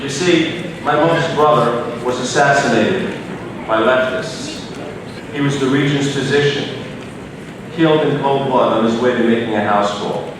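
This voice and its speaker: Earnest man speaking in an echoey hall. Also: mid-range voice. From United States. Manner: measured, earnest, reflective. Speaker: physician giving a speech. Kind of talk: prepared speech. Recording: echoey hall from far off, noisy.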